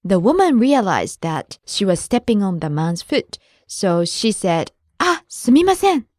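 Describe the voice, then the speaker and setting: A woman co-hosting a language lesson, modeling phrases clearly and adding short explanations. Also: lowish voice, sing-song, a little slow, a little mellow, no echo, clean studio sound. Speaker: native-speaker co-host of a language lesson. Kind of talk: scripted lesson dialogue.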